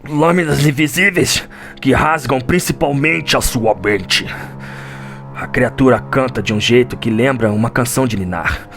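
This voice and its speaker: A man's voice: mid-range voice, unhurried, creaky, a bit bright. Brazilian man narrating dramatically over music. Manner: solemn, theatrical, suspenseful delivery. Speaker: narrator of a video game lore audio drama. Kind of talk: dramatic scripted storytelling narration. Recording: music under the voice. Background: background music.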